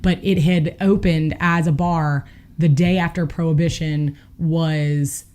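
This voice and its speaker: A woman, co-hosting a podcast, her voice hoarse, telling stories in a chatty way with lots of fillers. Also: low-pitched, fairly even intonation, slow, a little mellow. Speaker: podcast co-host. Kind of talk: casual chat.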